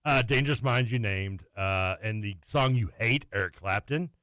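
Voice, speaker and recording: A man's voice: fairly low pitch, normal speed, dry recording. A man co-hosting a sports radio show, joking about himself and laughing often. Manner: excitable, self-mocking, laughs often. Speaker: radio co-host. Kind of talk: casual radio banter. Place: radio studio. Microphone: studio microphone.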